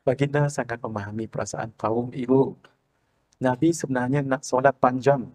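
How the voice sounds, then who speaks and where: A man with a Malaysian Malay accent preaching as a religious teacher in a mosque hall, reciting Arabic verses slowly, then explaining them and voicing the prophets' prayers with rising emotion. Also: medium pitch, fairly even intonation, a little mellow. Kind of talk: sermon.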